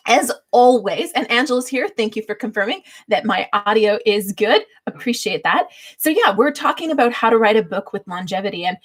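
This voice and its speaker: A woman's voice: on the high side, expressive. Chatty woman hosting a livestream. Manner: chatty, informal, quick to laugh. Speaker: livestream host. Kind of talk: casual livestream chat with advice.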